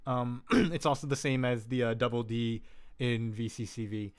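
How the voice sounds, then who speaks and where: Male streamer, smooth clear voice, mid pitch, easygoing technical walkthrough, frequent self-corrections and filler words. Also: steady tone, normal speed. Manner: rambling, self-correcting, lots of "um" and "like"; laid-back, jokey asides. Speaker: live-stream host teaching vocal synth tuning.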